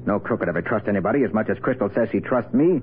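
An actor playing a shrewd, confident male private detective in a 1940s radio drama, brisk and authoritative. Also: on the low side, animated, husky. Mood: brisk, urgent. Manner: brisk, authoritative, reasoning aloud. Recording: tinny, faintly noisy vintage radio recording.

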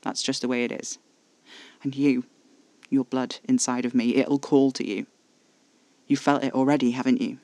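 A man's voice: medium pitch, flat delivery, normal speed, pauses often, darkish tone, no echo, natural voice. A man voicing a frustrated, possessive male vampire in a storybook, with formal, exasperated speech. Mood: intense, possessive. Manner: haughty, exasperated, formal wording.

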